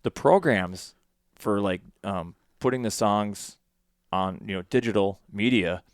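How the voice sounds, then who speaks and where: A man's voice: lowish voice, a little slow, smooth, dry recording, clean studio sound. A man in his forties chatting casually on a podcast, rambling and full of fillers. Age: 40s. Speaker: podcast guest.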